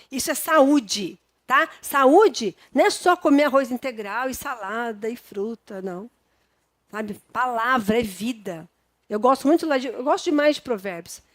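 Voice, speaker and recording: A woman's voice: high voice, dry recording. A woman with a Brazilian Portuguese accent preaching a sermon in a homely, conversational way, with frequent tag questions.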